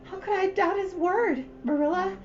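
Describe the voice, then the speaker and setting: A young girl from a storybook, pitched very high. She is earnest, wretched and given to dramatic pleading. The sound is a little muffled, with music clearly playing behind her. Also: moderate pace. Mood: dejected, protesting.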